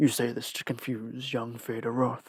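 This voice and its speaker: Using a put-on character voice, a man with a rumbling, medium pitch talks at a moderate pace with monotone, flat intonation. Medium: read story. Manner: silky, self-satisfied, menacing.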